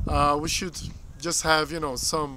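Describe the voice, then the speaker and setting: Noticeable background noise sits behind a man's voice. The sound itself is dry with no echo. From Brazil. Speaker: philosophy video creator. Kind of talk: unscripted monologue. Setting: outdoors in nature. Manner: thinking aloud, hesitant. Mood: indignant, critical. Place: open country. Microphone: earbuds.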